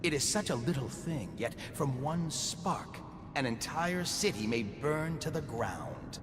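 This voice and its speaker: An actor playing a zealous preacher who recites doctrine in a solemn, declaiming way in a game. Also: male voice, medium pitch, sing-song, measured pace. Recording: long reverb over music.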